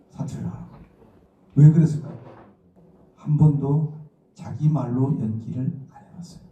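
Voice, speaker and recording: A man's voice: medium pitch, far from the mic. A middle-aged man with a Daegu accent giving a lecture to students, telling stories and acting out what people said. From rural area near Daegu, South Korea. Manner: animated storytelling, acting out quotes. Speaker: guest speaker, actor. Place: lecture hall. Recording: echoey hall recorded from afar, muffled.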